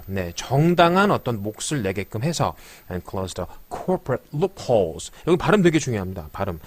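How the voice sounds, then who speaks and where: Lively-voiced male pronunciation teacher. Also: medium pitch, dry recording. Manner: explains patiently, slowly repeating English phrases with stress; frequent filler affirmations. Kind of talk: spoken language lecture.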